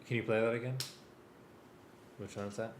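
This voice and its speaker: Male, low register, hesitant music arranger talking shop casually; roomy sound, faint noise. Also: level tone, normal speed. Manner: hesitant, thinking aloud. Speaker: music arranger rehearsing for a live script reading. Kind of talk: casual working discussion. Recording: echoey room with faint background noise.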